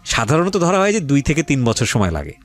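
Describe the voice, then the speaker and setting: A man's voice: mid-range voice, wildly swooping pitch, brisk. A man hosting a radio interview, asking probing questions and sharing reflective asides. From Bangladesh.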